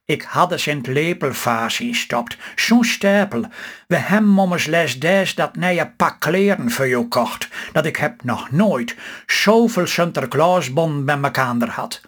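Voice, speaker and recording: A woman's voice: deep voice, measured pace. A man reading a storybook voice of a hopeful, chatty rural housewife who chides her husband, in Stellingwerf dialect. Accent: Stellingwerf Low Saxon dialect. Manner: lively, chiding, optimistic.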